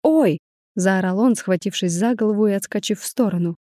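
A woman reads a story in a mellow, warm voice, changing her delivery for each character's lines. The recording is dry and close, with no room sound around her. Her pitch sits in an ordinary middle range. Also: a little fast, no room sound. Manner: expressive reading, shifting voices for each character. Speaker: audiobook narrator. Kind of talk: scripted narration with acted dialogue.

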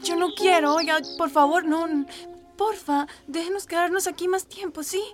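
A woman's voice: extremely high pitch, steady tone, moderate pace, over music. An actress playing a terrified young migrant woman desperately pleading not to be deported, in a radio drama.

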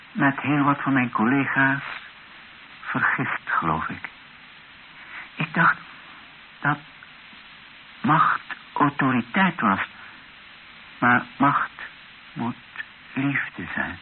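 An actor playing a grave, self-doubting Catholic bishop in a radio drama, speaking reflectively and with deliberate pauses. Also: male voice, medium pitch, lively intonation. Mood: earnest, self-critical. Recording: hissy, dull old radio recording.

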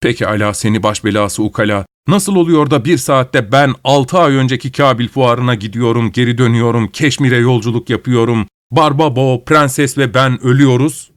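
A man's voice: medium pitch, moderate pace, few pauses, no room sound, clean studio sound, close to an everyday voice. A man voicing a distraught young nobleman who talks in an agitated, pleading way. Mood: indignant.

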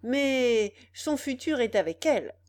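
Excited village lad, loud and high, read by a woman. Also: unhurried. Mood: teasing. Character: excited young village lookout, teasing.

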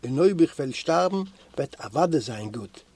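A man voicing a feverish young male prisoner who speaks weakly, quietly and haltingly while reading a storybook aloud. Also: fairly high pitch, animated, breathy edge, full character voice. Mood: resigned.

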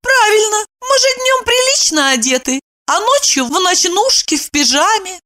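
A woman reading an audiobook, voicing an excitable, sharp-tongued young woman who talks in a sarcastic, commanding, exclamatory way. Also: very high voice, normal speed, voice pushed up, heavily acted.

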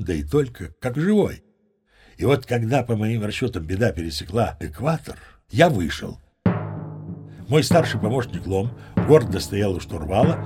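Pompous old sea captain, Captain Vrungel. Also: male voice, mid-range voice, a little mellow, breathy edge. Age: older. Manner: leisurely, pompous, savouring pauses and asides. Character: old sea captain, theatrical, self-important raconteur of tall tales. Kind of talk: dramatised audiobook storytelling.

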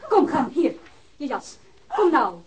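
A woman's voice: sits high, sing-song, a little slow, a little mellow, slight background noise, low-quality recording. An actress playing an anxious but firm woman in a radio drama, speaking urgently and insistently.

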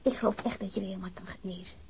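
An actress playing a young, caring daughter who gently coaxes and questions her wounded father in a radio play. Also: mid-range voice, fairly even intonation, racing, gravelly, slight background noise, close to an everyday voice. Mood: earnest, coaxing. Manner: gently probing, coaxing, hesitant. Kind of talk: naturalistic radio play acting.

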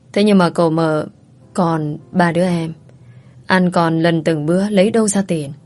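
Low-voiced woman narrating a story. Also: darkish tone.

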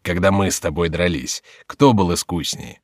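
A man voicing a loud, capricious and whiny king in an audiobook. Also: low voice, moderate pace, no echo, clean studio sound, pitched below the performer's own voice. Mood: bantering. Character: petulant capricious adult male king. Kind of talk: audiobook character voice.

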